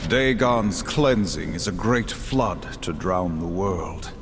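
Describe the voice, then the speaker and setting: An actor playing a stern, brooding male warrior horseman in a video game, solemn, measured and menacing. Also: low-pitched, expressive, slight background noise, heavily acted. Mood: grim. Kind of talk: video game cutscene acting. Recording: long reverb, music behind.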